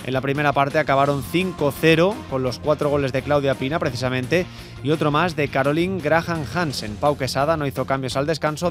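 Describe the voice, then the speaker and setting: A man reporting a match result for radio in an even, scripted way. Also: fairly high pitch. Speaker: sports reporter.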